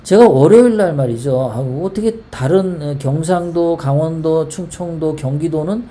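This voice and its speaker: A woman from South Korea hosts a political commentary show in a low, dark voice. Her talk runs heated and rambling, and she keeps throwing out rhetorical questions. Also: normal speed, slight background noise. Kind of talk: casual political monologue.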